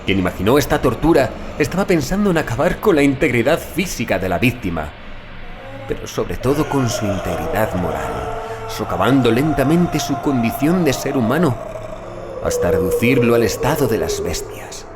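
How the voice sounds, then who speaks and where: A man narrating a horror audiobook in a dramatic, solemn and deliberate literary manner. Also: mid-range voice, big pitch swings. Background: background music.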